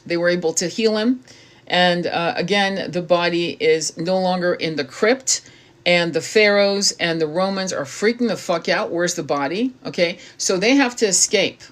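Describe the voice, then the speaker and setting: A woman's voice: lowish voice, normal speed. A woman hosting her own channel, reading aloud from a book and breaking off into blunt, casual commentary with frequent swearing and stumbles. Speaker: tarot reader and spiritual channel host.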